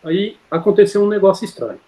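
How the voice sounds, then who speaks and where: A man's voice: sits high, animated, fast, mellow. A man telling a personal story in casual conversation, rambling with many fillers and self-corrections, heard over a video call. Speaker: interview guest.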